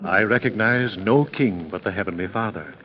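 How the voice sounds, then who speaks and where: An actor playing a calm, steadfast Quaker man who speaks plainly and firmly, in an old radio drama. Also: on the low side, normal speed, close to an everyday voice. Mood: firm, earnest. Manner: earnest, firm, plain speech. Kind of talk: 1930s radio drama acting. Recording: dull lo-fi old radio transcription with faint hiss.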